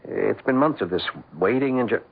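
A thin, phone-like radio recording of an irritable husband. His husky voice is curt and evasive, a domineering edge under the halting delivery of a 1970s radio play. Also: medium pitch, animated. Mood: evasive, troubled. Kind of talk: 1970s radio drama acting.

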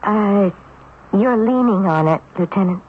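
An actress playing a helpful, calm woman in a radio drama. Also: medium pitch, measured pace, breathy edge. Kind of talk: old-time radio drama acting. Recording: thin, phone-like old radio recording.

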